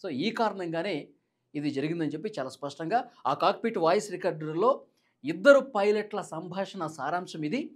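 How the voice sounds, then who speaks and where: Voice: medium pitch, lively intonation, moderate pace. A Telugu news presenter giving explanatory commentary in a dramatic, emphatic manner, repeating key points.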